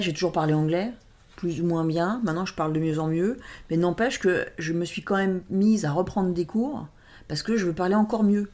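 A French woman talking casually as an interview guest, lively and emphatic, animating her stories. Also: mid-range voice. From France. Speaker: guest, stage performer.

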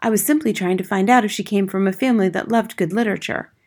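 A woman's voice: mid-range voice, quick pace, a little mellow, close to an everyday voice. A woman voicing a slim, polite but resolute schoolteacher in an audiobook, earnest and firm. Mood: earnest, probing. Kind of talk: acted audiobook dialogue.

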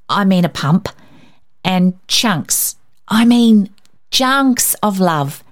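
A woman voicing an earnest, chatty small boy on an errand in a storybook. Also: lowish voice.

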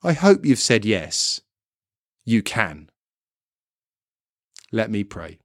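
A middle-aged man preaches to children at an unhurried pace, his pitch rising and falling widely as he lands each phrase. His delivery is emphatic, built on repeated lists. The recording is close and dry, with almost no room sound. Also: sing-song, no room sound. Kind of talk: children's sermon.

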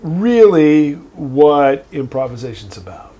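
A man's voice: a little high, very animated, takes it slowly, dark tone, a little hiss or hum. A man co-hosting a casual talk, speaking in a thoughtful, wordy way with dry humor. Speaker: podcast co-host. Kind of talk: casual conversation.

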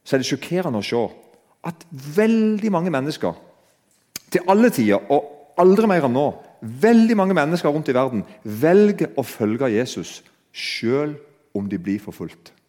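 Male preacher, conversational sermon, lively pitch, long hall reverb. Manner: conversational, addresses listeners directly.

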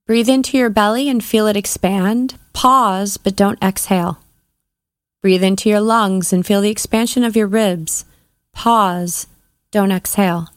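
A woman leading a guided breathing meditation as a podcast host and coach, giving measured, soothing instructions with pauses. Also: mid-range voice, dry recording, clean studio sound.

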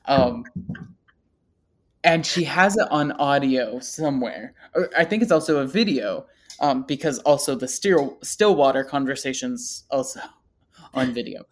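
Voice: medium pitch, lively intonation, measured pace. Rambling, self-deprecating podcast co-host. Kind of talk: casual chat.

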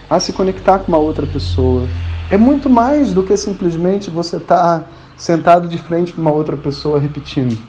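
A man's voice: on the high side, warm tone. A man from Rio de Janeiro, telling a personal story in a colloquial way and acting out the dialogue. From Rio de Janeiro, Brazil. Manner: colloquial, acts out quoted dialogue. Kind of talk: anecdotal storytelling talk. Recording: dull lo-fi recording.

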